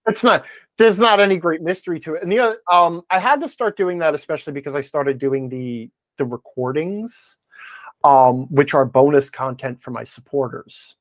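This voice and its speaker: Speaking at a normal speed with lively intonation and a fairly high pitch, this game advice blogger rambles through a casual podcast interview as a guest. He quotes himself with self-deprecating humor, and there's no room sound.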